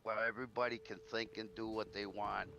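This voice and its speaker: A man's voice: on the low side, level tone, a little fast, gravelly, background noise. A man talking casually in a folksy, informal way during game roleplay.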